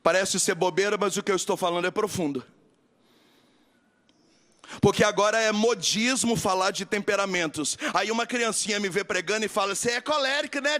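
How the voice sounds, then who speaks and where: Brazilian guy preaching loud and emphatic, high voice, keeps repeating lines and getting the crowd to say them back. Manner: emphatic, repetitive call-and-response preaching. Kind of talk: sermon. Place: live camp gathering.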